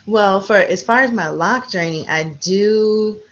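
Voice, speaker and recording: A woman's voice: mid-range voice, measured pace. Chatty woman guest on dull audio. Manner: chatty, many fillers and restarts, laughs easily. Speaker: podcast guest. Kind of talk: casual interview chat.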